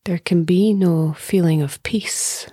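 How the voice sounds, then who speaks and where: A middle-aged woman leading a guided meditation as a teacher, speaking softly and breathily in a calm, gentle way with long pauses. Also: lowish voice, no echo, clean studio sound. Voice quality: soft, breathy.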